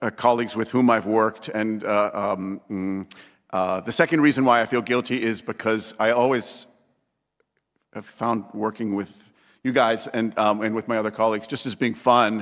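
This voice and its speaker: A man speaks at a moderate pace with a Pittsburgh accent and a medium pitch. His intonation is fairly even, and the recording is very clean with a silent background. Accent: Pittsburgh American English. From US, Pittsburgh. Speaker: professor. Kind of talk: acceptance speech. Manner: halting, many fillers.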